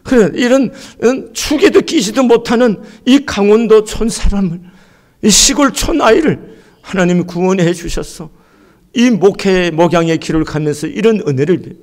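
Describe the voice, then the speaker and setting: A middle-aged man from Gangwon Province preaching a sermon as pastor, swinging between soaring and hushed delivery. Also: sits high, normal speed. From Gangwon Province, Korea.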